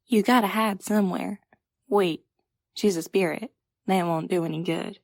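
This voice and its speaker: A woman's voice: lowish voice, moderate pace, creaky. A woman playing a stubborn, anxious and gullible young twin sister in an audio drama, talking in folksy slang. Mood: worried. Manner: folksy slangy speech with ain't and gotta.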